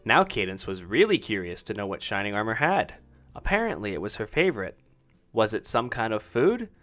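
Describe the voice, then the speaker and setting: A man's voice: on the low side, very animated, brisk, fairly bright tone, soft background music. A man narrating a romantic fan fiction story in a scripted, dramatic reading style.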